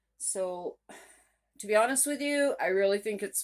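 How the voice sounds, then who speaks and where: A woman talks at a moderate pace. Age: 50s. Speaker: vlogger. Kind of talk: casual vlog monologue. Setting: at home, in bathroom. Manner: rambling, halting with repetitions.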